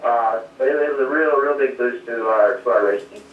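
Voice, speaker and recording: A man's voice: medium pitch, a little fast. A man, a race crew chief answering interview questions modestly while calling in from home over a phone line that breaks up. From South Carolina, USA. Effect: calling in remotely over a phone line that breaks up and fades. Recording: dull, distant, echoey call-in line.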